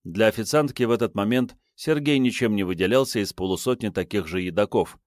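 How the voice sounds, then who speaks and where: A male audiobook narrator reading a novel in a measured, even storytelling manner, his voice low and steady. He is recorded on a close studio mic, dry and free of any room sound. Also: dry recording. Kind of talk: scripted narration.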